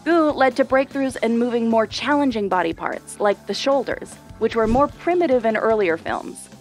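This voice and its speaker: A woman giving scripted narration for an explainer video, clear and measured. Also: a little high, expressive, soft background music.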